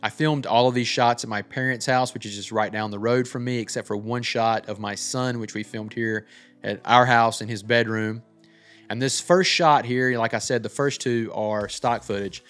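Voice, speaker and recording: A man's voice: mid-range voice, fairly even intonation, normal speed, a bit bright. A man giving a casual tutorial as a filmmaker, walking through how a short film was made. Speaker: filmmaker presenting a breakdown of their own short film. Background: background music.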